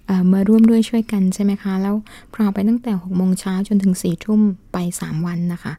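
A woman's voice: medium pitch, fairly even intonation, fast talker, dry recording. A middle-aged woman, a homeschooling mother, talking politely with small hesitations in an interview. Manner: soft-spoken, polite, with frequent hesitations. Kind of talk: casual interview talk.

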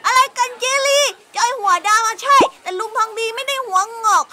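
A woman playing a bossy, teasing market shopkeeper in a children's radio drama. She chats and scolds in a nosy, sharp-tongued way. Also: extremely high pitch, a little fast, voice pushed up, full character voice. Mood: scolding. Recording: music playing underneath.

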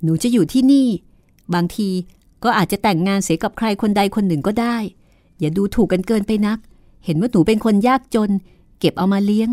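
A woman's voice: fairly high pitch, a little fast, dark tone, no echo, studio quality, voice pushed up, close to an everyday voice. A woman voicing a hurt, defiant young woman. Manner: tearful pleading turning curt.

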